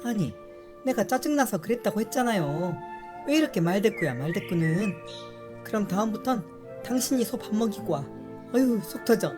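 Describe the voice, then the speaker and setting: A woman's voice: medium pitch, lively intonation, normal speed, music in the background, pitched above the performer's own voice, close to an everyday voice. A woman voicing a hot-tempered young wife who nags and huffs in exasperation. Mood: irritated. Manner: whiny, exasperated sighs. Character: shrill hot-tempered young wife, nagging and quick to anger.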